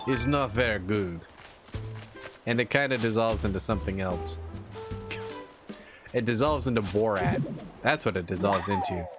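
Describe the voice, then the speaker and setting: A male streamer chatting casually over gameplay, playful and self-mocking. His pitch sits in an average range and he talks unhurriedly. Faint music plays underneath. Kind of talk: casual gameplay livestream chat.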